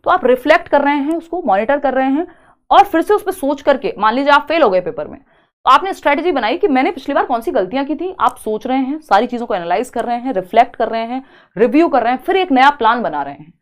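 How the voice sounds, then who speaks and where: A woman teacher with an Indian English accent, giving an online exam-prep lecture. She explains step by step, often checks with the class, and reads English questions slowly before explaining them in Hindi. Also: sits high, animated.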